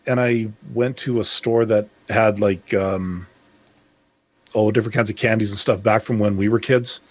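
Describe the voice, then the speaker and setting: A man's voice: lowish voice, steady tone, moderate pace, dry recording. A middle-aged man co-hosting a podcast, talking in a rambling, reflective way with many restarts. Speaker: podcast co-host. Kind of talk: casual discussion.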